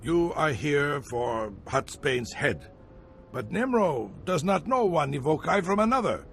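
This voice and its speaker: A solemn tribal elder speaks slowly with lively rises and falls, measured and persuasive. Faint ambient noise sits behind him. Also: male voice, on the high side, creaky, exaggerated voice.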